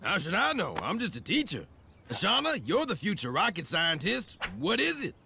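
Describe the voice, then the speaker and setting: Gravelly, high-pitched, excitable cartoon teacher. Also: male voice, normal speed, background noise, exaggerated voice. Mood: blunt dismissal. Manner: theatrical, blunt. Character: excitable, blunt, uncaring adult male daycare teacher. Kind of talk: cartoon acting.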